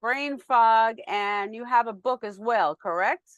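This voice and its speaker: A woman hosting a podcast, chatty and quick to laugh, stumbling over words now and then. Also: a little high, no echo, highs cut off. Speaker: podcast host. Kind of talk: casual interview talk.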